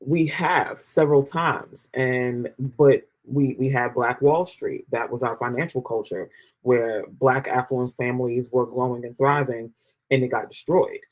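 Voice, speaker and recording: A man with a New York accent talks loosely on a chat show at a middle pitch, circling his point with repeated fillers. His tone is relaxed and conversational as he co-hosts. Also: measured pace, poor audio. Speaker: podcast co-host. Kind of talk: casual panel chat.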